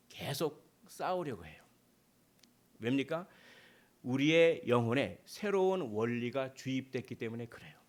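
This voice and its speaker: Animated Korean man preaching. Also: mid-range voice. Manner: conversational preaching, acts out dialogues with rhetorical questions. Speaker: pastor. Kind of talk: sermon.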